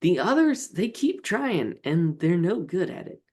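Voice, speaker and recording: A woman co-hosting a comedy podcast in casual chat, with dry, deadpan jokes. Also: lowish voice, measured pace. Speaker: podcast co-host.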